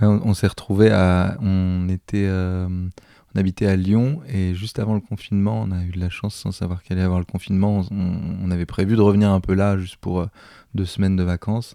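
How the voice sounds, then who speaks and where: A man talks fairly quickly in a very deep, low voice with a dark, mellow tone. His intonation is fairly even, and the recording is very clean with a silent background. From France, Cotentin (Normandy). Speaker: musician and actor. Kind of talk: casual interview. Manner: halting.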